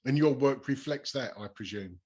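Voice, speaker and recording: Man at a middling pitch, arts interview host, reflective, musing, short questions. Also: normal speed, a little mellow. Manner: reflective, musing, brief backchannels. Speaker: podcast host.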